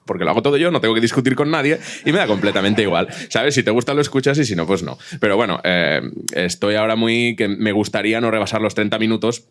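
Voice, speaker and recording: A man's voice: on the low side, fast, hardly any pauses, fairly bright tone. A man with an accent from Spain, chatting colloquially on a panel and often interrupting himself. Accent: Spanish from Spain. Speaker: podcast fiction creator, panelist. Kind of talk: casual panel discussion.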